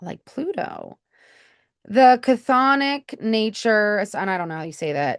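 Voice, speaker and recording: A woman with a slight Baltimore accent speaks at a very slow pace in a fairly high pitch. The sound is dry and close with no echo, against a quiet background. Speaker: spiritual educator / video creator. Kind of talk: lecture reading slides with personal asides. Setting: screen-share recording. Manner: halting, hesitant.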